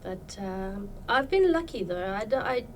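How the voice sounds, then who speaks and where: A woman's voice: mid-range voice, lively intonation, measured pace, recorded from a distance, a little hiss or hum, low-quality recording. A woman from Iran, a podcast guest, talking about her life in a thoughtful, hesitant way with many fillers. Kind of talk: casual interview chat.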